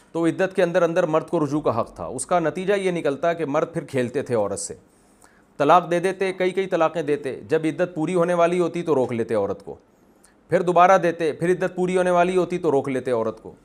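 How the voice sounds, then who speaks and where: A man, a mufti, answering a question in a religious Q&A session, arguing his point with repeated examples and conversational asides. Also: a little high. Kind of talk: religious Q&A talk.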